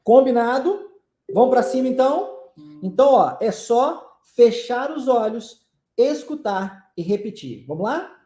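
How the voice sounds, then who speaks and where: A man's voice: extremely high pitch, very animated, unhurried, dark tone, reverberant, faint music behind. A Brazilian man teaching English in an online lesson, speaking emphatically, repeating key phrases and checking in with his listeners. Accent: Brazilian Portuguese.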